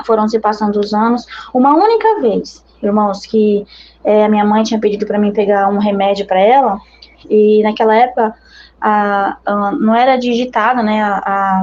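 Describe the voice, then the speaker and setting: A woman's voice: fairly high pitch, a little mellow, muffled recording. A woman missionary with a Brazilian accent giving an earnest, conversational religious testimony to her brothers and sisters in faith.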